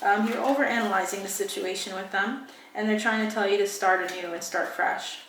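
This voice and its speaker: A woman's voice: medium pitch, fairly even intonation, a bit bright, slight background noise. Tarot-reading woman, roomy and distant. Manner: musing, halting, reads card meanings aloud. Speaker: tarot reader.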